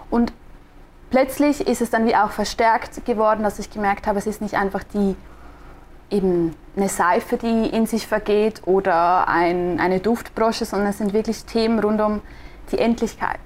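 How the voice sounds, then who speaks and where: A woman's voice: medium pitch, darkish tone, a little hiss or hum. A young woman from Switzerland with a Swiss German accent, a designer answering interview questions thoughtfully, often restarting as she searches for words. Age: young adult. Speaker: guest, designer and podcaster.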